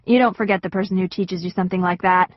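A woman's voice: fairly low pitch, fairly even intonation, fast talker, no room sound, muffled recording, natural voice. A woman voicing a friendly, easygoing teenage boy with a breezy manner.

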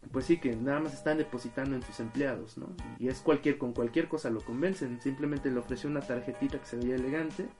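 A man, co-hosting a podcast. His voice is dark and mellow, and his pitch sits in a middling range. He takes his time and works through ideas in a thoughtful, analytical way. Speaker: podcast co-host. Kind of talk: casual film discussion.

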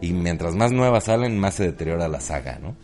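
Low-voiced joking Mexican man. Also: lively intonation, fairly quick, darkish tone, soft background music. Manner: joking, laughs often, slips into impressions. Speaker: podcast co-host. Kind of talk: casual comedy chat.

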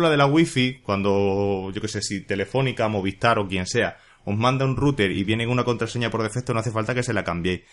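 A man's voice: lowish voice, fairly bright tone. Chatty, jokey Spanish podcast host man. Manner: chatty and jokey, playful asides. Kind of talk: casual solo podcast chat.

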